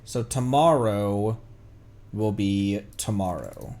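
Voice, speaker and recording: Rambling male streamer, lively swooping pitch. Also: takes it slowly. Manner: playful, rambling. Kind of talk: casual livestream chat.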